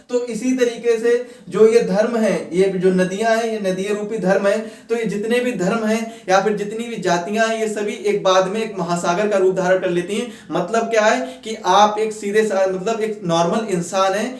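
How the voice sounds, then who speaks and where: A man with a notably high voice lectures like an exam coach, restating each point in new words and dropping in English terms. The recording is echoey and he sounds set back from the microphone. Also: darkish tone. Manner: repetitive, rephrasing points step by step; mixes English terms into speech. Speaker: exam-prep teacher. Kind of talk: explanatory lecture for exam students. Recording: roomy echo, distant from mic.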